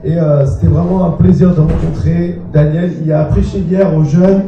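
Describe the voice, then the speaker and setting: A man's voice: a little high, fairly even intonation, normal speed, recorded from a distance, dull audio. Man, pastor, enthusiastic welcome, echoey hall, faint music behind. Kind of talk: church introduction.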